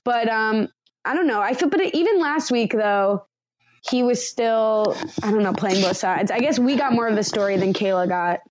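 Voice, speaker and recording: A woman co-hosting a reality TV recap podcast in casual chat, laughing often and retelling scenes with animated quotes. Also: on the high side, normal speed. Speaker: podcast co-host.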